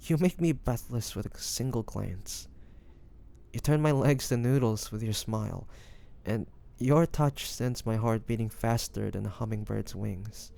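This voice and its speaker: Casting: male actor as tender, nervous young lover for romantic audio roleplay; mellow, gravelly voice, hesitant delivery. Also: fairly low pitch, measured pace. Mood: earnest, confessional. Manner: hesitant, stammering, breathy sighs. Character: devoted young man, tender, nervous, lovestruck best friend.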